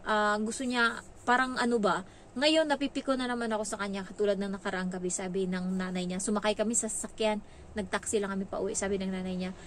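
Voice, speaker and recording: A woman's voice: medium pitch, steady tone, fast talker, slight background noise. A woman from the Philippines who works as a nanny, candidly telling stories in a casual vlog and slipping English phrases into her talk. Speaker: nanny in Hong Kong.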